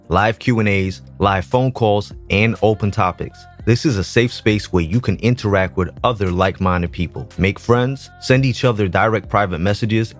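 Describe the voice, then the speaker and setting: A man delivering a channel promo outro in a steady, promotional manner. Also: lowish voice. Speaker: channel host. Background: faint music.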